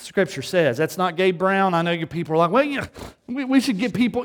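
In an East Tennessee accent, a man speaks with lively intonation. His pitch sits high. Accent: Southern US (East Tennessee). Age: 40s. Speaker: pastor. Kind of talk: sermon. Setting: conference hall with live audience.

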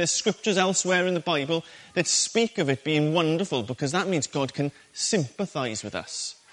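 A man with a Welsh accent speaks at a moderate pace, fairly high-pitched, with lively intonation. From Wales. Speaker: pastor. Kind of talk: sermon.

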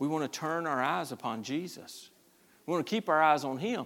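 This man speaks in a raised, projected voice with a bright, sharp tone at a moderate pace. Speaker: pastor. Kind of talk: sermon.

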